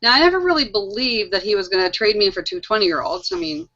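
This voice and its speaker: A middle-aged woman hosting a casual panel discussion, animated and laughing often, repeating phrases for emphasis. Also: mid-range voice, fast, vocal fry. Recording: muffled lo-fi audio.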